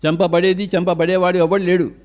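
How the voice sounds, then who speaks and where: A man's voice: high-pitched, level tone, fairly quick. A man giving a spiritual discourse, emphatic, answering his own rhetorical questions. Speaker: spiritual teacher.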